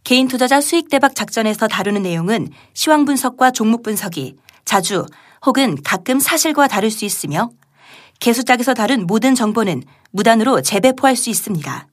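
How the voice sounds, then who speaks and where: A woman's voice: on the high side, lively intonation, brisk. A woman reading a disclaimer as scripted narration.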